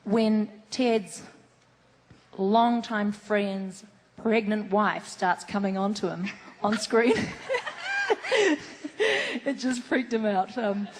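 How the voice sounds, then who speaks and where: A woman's voice: mid-range voice, fairly even intonation, slow. A woman, a guest actress on a fan convention panel, chatting casually and playfully and telling jokey stories. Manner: playful storyteller who jokes freely. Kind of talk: casual on-stage chat. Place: large convention hall stage. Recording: echoey convention hall, faint noise.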